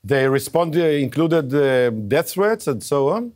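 A middle-aged man with a Palestinian accent hosting a TV interview from a studio, halting with many fillers. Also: fairly high pitch, lively intonation, a little mellow. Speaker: TV host.

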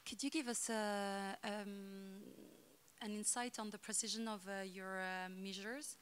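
A woman in a conference audience asks a question, pausing often to find her words. Her voice comes from a distant mic in a hall, with faint noise behind it. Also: mid-range voice, steady tone. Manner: hesitant, searching for words. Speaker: audience member asking a question.

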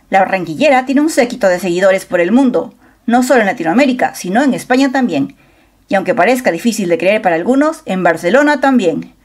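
A woman's voice: medium pitch, darkish tone. A woman reading a scripted celebrity gossip news voice-over in a dramatic, storytelling manner on a close mic. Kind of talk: scripted narration.

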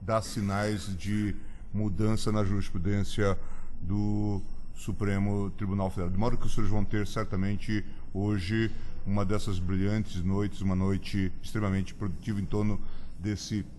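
A man chairing a lecture event, giving a formal, measured introduction with frequent hesitations. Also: lowish voice, little pitch movement, dark tone, slight background noise. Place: lecture hall.

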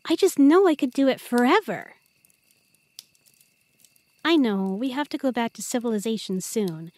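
A woman's voice: sits high, a little mellow, no room sound. A woman playing a playful, possessive werewolf girlfriend in an intimate roleplay audio, talking to the listener in a teasing, affectionate way.

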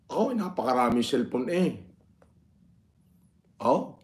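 A middle-aged man with a Filipino accent chatting casually on a livestream, greeting viewers in a drawn-out way with many pauses and interjections. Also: mid-range voice, very animated. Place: indoor room with framed painting. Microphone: phone propped at arm's length.

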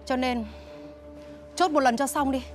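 A middle-aged TV drama mother who is fierce and protective. She scolds and shouts in a high voice, with a drama score running clearly underneath. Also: steady tone, measured pace, soft background music. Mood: stern. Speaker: mother of Thi. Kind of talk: TV drama acting.

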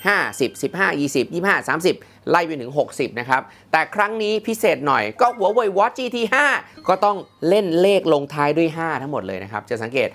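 A man presenting a smartwatch review in a chatty, lively way, with many polite fillers. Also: on the high side, a little fast, hardly any pauses. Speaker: tech reviewer.

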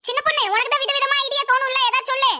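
A woman's voice: very high-pitched, flat delivery, very fast, sharp tone, exaggerated voice. A woman voicing a sly, greedy village gossip in a cartoon dub who teases and eggs others on. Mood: sly, teasing.

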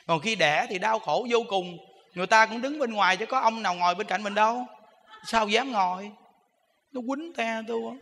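A male Buddhist monk with a Southern Vietnamese accent gives a sermon in a high, bright voice. He talks in a humorous, chatty way and keeps asking his listeners rhetorical questions. His voice rings with long reverb in an echoey hall. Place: temple hall.

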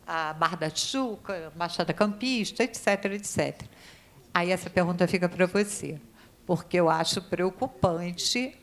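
A woman speaks in a legislative hearing room. She talks in an emphatic, worried way, thinking aloud and restarting sentences. She shivers from the cold as she speaks. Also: fairly low pitch. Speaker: committee member questioning experts. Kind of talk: spontaneous committee speech.

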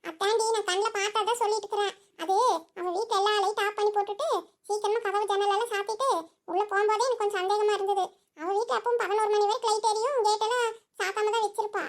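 A woman plays a nosy village neighbor in a cartoon who rattles off gossip in a very high, squeaky voice. She talks at a quick clip, pushing her story with little chuckling asides. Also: fairly even intonation. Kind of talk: cartoon voice acting.

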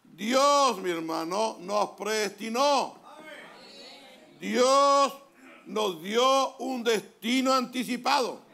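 A Chilean pastor preaches in a slow, measured cadence, letting each phrase land before the next. His voice sits high for a man and carries a gravelly, crackling texture. He breaks the message with calls of amen to the congregation. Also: animated, sharp tone. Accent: Chilean Spanish. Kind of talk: sermon reading from a translated message. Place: church hall.

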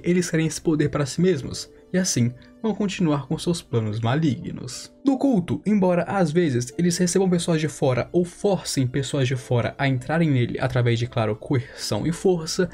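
A young man narrates anime lore in an emphatic explainer voice, and his slightly raised pitch sits over a mellow, warm tone. He keeps adding little asides as he goes. Faint background music runs under his voice. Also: breathy edge. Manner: emphatic, frequent asides like "claro" and "obviamente". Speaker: anime lore channel host. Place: small home studio room. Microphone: large studio mic beside him.

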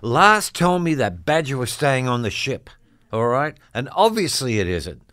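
A man's voice: mid-range voice, very animated, measured pace, fairly bright tone, no room sound. A man acting in an improvised radio drama as an anxious, exasperated small-town man who stammers and repeats himself. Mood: fed up.

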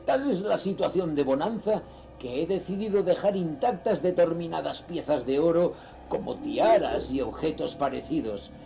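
Guy doing a menacing cult leader reading his diary, horror audio drama, dark gravelly voice, music under it. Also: fairly high pitch, expressive, moderate pace, a little hiss or hum. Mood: coldly triumphant. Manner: solemn, menacing, theatrical.

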